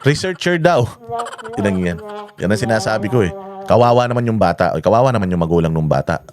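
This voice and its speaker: A man's voice: lowish voice, expressive, quick pace, music in the background. A man from the Philippines giving casual political commentary in a mocking tone, swearing often and firing off rhetorical questions. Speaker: commentary vlogger.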